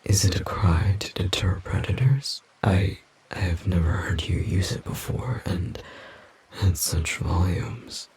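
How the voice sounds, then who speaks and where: A man playing a grave, protective yet naively curious forest demon in an audio roleplay, speaking formally and haltingly with a breathy, gravelly rasp. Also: deep voice, a little mellow, in a whisper, full character voice. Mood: hesitant, curious. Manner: slow, formal, halting, pensive.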